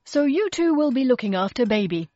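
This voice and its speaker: A woman doing a brisk, busy mum. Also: sits high, big pitch swings, mellow, no room sound, lo-fi sound, voice pushed up. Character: busy mother heading out.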